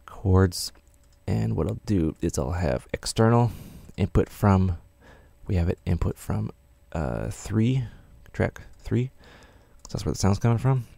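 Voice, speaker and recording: Low, gravelly man teaching casually. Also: expressive, unhurried, warm tone, dry recording. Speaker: music production tutor. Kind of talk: casual software tutorial narration.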